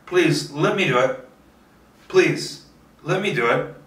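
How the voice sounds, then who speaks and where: A man's voice: fairly high pitch, lively intonation, takes it slowly, fairly bright tone. A man playing a polite, concerned policeman in his twenties, earnest and courteous, in a screenplay table read. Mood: concerned, respectful. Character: polite, concerned policeman aged twenty-seven, respectful neighbor. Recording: roomy, distant microphone.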